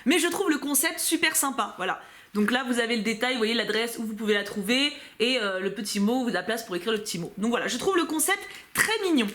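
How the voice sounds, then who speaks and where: A woman chatting casually as she unboxes a book subscription box, animated and prone to excited outbursts. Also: a little high, fairly quick.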